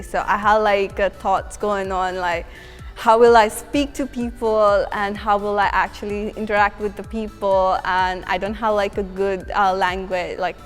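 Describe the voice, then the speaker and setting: A young woman from Nepal, a university student, speaking hesitantly with many pauses and fillers. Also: mid-range voice, big-room sound. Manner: hesitant, halting. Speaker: international student. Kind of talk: casual student testimonial.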